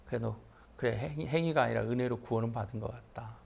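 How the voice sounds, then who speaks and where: A man's voice: mid-range voice, fast, vocal fry, slightly rough. A middle-aged man, a pastor, telling a personal story in a sermon and letting his voice rise sharply for emphasis. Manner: lively anecdotal preaching, voice rising sharply for emphasis.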